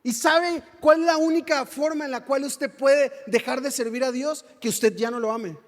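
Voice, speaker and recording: A man's voice: very high voice, normal speed. A man with a Mexican accent preaching a sermon, fervent and firing rhetorical questions at the congregation. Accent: Mexican Spanish. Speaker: pastor. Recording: long hall reverb.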